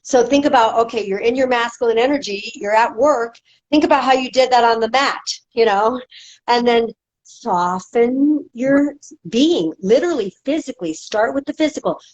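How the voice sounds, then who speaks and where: Guesting on a podcast, this movement and dance instructor has a fairly high voice and talks at an ordinary speed. She speaks casually, with plenty of fillers and false starts, over dull, lo-fi audio.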